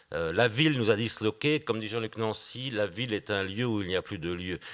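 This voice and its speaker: A man is talking. His pace is fairly slow. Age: old. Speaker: philosophy teacher. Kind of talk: public talk after a film screening. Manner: loud.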